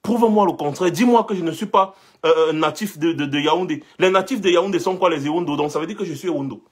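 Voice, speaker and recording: A man's voice: a little high, fast talker, slightly rough. A young man from Cameroon giving an impassioned monologue, rhetorical and insistent, repeating his points. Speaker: commentator.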